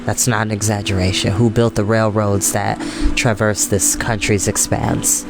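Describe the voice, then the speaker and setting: A man's voice: fairly low pitch, level tone, normal speed, vocal fry. An American man hosting a storytime show, talking informally and earnestly to online viewers with emphatic, repeated phrases. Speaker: host of a storytime reading show. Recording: soft meditation music behind the voice. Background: meditation music.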